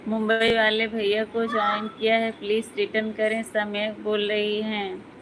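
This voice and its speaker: A woman's voice: medium pitch, completely flat delivery, measured pace. A woman hosting a casual livestream from Jammu, greeting viewers one by one in a friendly, chatty way. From Jammu region, India. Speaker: livestream host. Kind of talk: casual livestream chat reading viewer comments. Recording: noisy home livestream audio.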